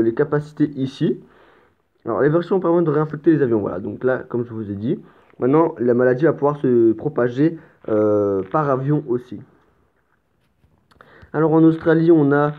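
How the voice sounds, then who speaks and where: A man commenting on his strategy game as a let's play host, explaining casually with stammers and the odd curse. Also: on the high side. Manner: chatty and explanatory, with stammers and mild swearing. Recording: tinny, phone-like lo-fi sound.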